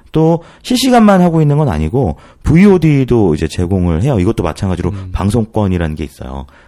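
Fairly quick and fairly low in pitch, a man's dark, mellow voice makes very wide pitch swings. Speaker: internet broadcasting platform team manager. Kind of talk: interview. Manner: many fillers and hesitations.

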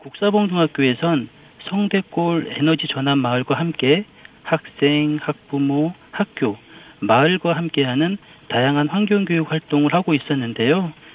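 This is an ordinary speaking voice at a fairly slow pace with ordinary pitch variation. Its loudness stays very even. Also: man, fairly high pitch for a man. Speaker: government official. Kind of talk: formal interview answers.

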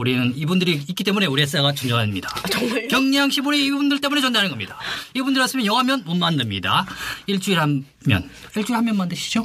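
Over noticeable background noise, a man with a high pitch talks at a very fast pace in a raised, projected voice, animated in tone, with very wide pitch swings. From South Korea, Daegu. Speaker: journalist and podcast host. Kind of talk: casual chat. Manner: excitable, animated.

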